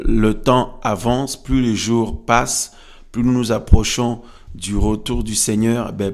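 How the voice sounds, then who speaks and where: A man preaching a sermon, teaching from scripture in a halting way and repeating phrases for emphasis. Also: on the low side, a little mellow. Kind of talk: French-language evangelical sermon, teaching from Bible verses. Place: room with some resonance.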